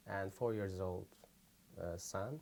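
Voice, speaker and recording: A man talks at a fairly slow pace with a Turkmen accent. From Turkmenistan. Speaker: filmmaker and immigrant interviewee. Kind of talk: oral history interview. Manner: halting, non-native phrasing.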